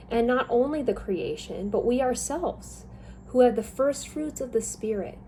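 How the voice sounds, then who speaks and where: A young woman calmly reading a Bible passage aloud, in a careful, even manner. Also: a little high, slight background noise, rough recording. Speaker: scripture reader.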